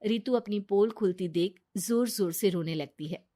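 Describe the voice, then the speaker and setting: Female narrator, steady and plain, for a cartoon storybook. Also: mid-range voice, moderate pace.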